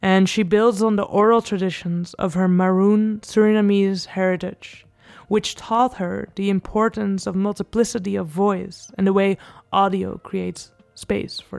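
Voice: mid-range voice, vocal fry, smooth, no echo. A podcast host giving an earnest, informative introduction. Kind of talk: spoken introduction.

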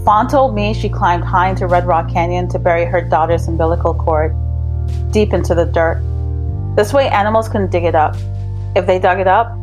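A woman from Jamaica, narrating a scripted documentary as host in a measured, reflective way. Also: on the low side, music in the background.

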